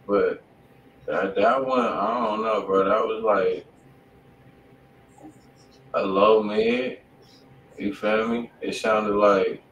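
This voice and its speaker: A man's voice: fairly low pitch, fairly bright tone, lo-fi sound, slight background noise. A man co-hosting a live music review stream, giving blunt, slangy critiques in casual chat. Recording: roomy sound, mic at a distance.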